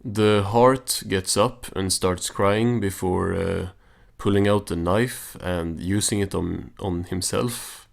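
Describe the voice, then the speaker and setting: Casting: man with a low voice, offhand and understated, casual cartoon recap narration. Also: takes it slowly, creaky, few pauses.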